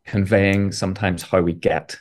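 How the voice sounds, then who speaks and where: A man talking as a guest physicist in an interview, explaining in a thoughtful, measured way. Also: low-pitched, level tone. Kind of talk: casual interview talk.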